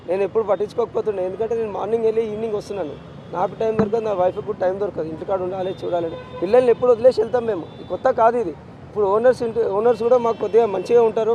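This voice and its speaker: A man's voice: high-pitched, steady tone, racing, dark tone, dull audio, slight background noise. Anguished father with a Telangana accent. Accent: Telangana Telugu. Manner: anguished, insistent, repeats demands for justice. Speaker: bereaved father being interviewed. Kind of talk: street news interview. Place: outdoors on a city street.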